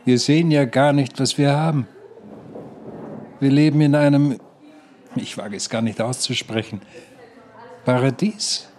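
An actor playing an elderly, naive care home resident in a radio play, earnestly and haltingly talking up his situation. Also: mid-range voice, a little mellow, natural voice. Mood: doggedly upbeat. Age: older. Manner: earnest, halting, repetitive persuading. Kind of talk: German radio play acting.

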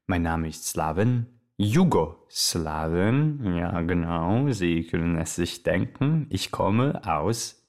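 An actor playing an excitable, euphoric Yugoslav male radio host with a theatrical, rambling way of moderating a live show. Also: deep voice, slow, exaggerated voice. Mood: intimate. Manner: theatrical, rambling, exuberant, switching from hushed to shouting. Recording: music behind the voice. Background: music.

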